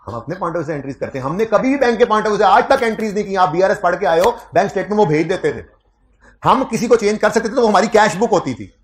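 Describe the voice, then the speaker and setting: A man's voice: high-pitched, expressive, very fast. A man giving a classroom accounting lecture, conversational, teasing his students and repeating key points.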